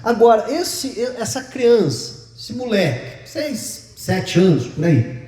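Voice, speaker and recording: Brief: Brazilian male pastor, high and lively, chatty sermon, big church reverb, mic at a distance. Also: takes it slowly. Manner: chatty, joking, animated storytelling. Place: large church sanctuary.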